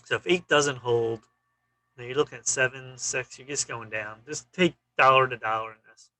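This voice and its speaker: A man's voice: mid-range voice, steady tone, normal speed, bright, forceful tone, low-quality recording. A man hosting a stock trading channel, walking through charts in casual, clipped phrases and often saying "you know".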